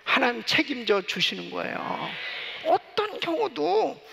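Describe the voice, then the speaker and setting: A man's voice: extremely high pitch, very animated, a little slow, vocal fry, a bit bright, a little hiss or hum. A male pastor preaching a sermon in a church sanctuary, telling stories animatedly with frequent asides to the congregation. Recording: long church reverb.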